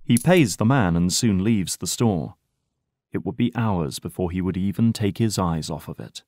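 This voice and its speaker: A man with a fairly low voice narrates an audio drama. His delivery is scripted, dramatic storytelling. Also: animated, normal speed, darkish tone.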